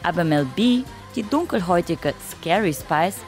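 A woman in her late twenties from Russia reads her personal essay in a low, steady voice. Her delivery is calm and wry, with a soft music bed faintly underneath. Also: moderate pace. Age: late 20s. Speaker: author reading her own essay. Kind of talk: scripted first-person radio narration.

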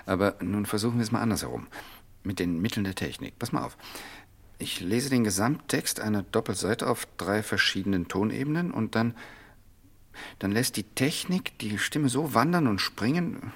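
A man presenting a radio feature, calmly explaining and reading passages aloud. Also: fairly low pitch, moderate pace, slightly rough.

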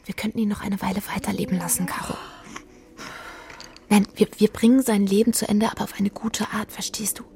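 An actress playing a calm, eerie young woman who whispers softly and persuasively in a radio play. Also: mid-range voice, brisk, creaky, a little hiss or hum, close to an everyday voice. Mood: dreamy. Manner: soft, dreamy persuasive whispering. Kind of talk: radio play acting and narration.

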